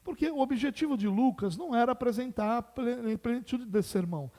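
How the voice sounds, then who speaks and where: High-voiced Brazilian pastor, mellow tone. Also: male voice. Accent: Brazilian Portuguese. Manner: measured, explanatory, rhetorical questions. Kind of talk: expository sermon.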